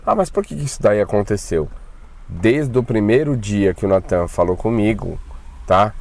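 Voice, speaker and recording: A man with a somewhat low voice tells his own story in a loose, casual way. He is animated and colloquial, and he drops slang and curses as he goes. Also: moderate pace, creaky. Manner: colloquial and animated, with swearing and nervous laughs. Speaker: channel host telling his own spiritual experiences. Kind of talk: casual first-person storytelling.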